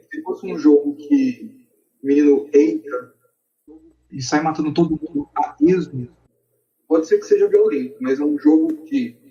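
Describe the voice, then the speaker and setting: A man's voice: a little high, mellow, dull audio. A man with a Brazilian accent arguing his point in a casual podcast discussion, quoting others as he explains. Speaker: podcast debate participant. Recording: echoey room, distant from mic.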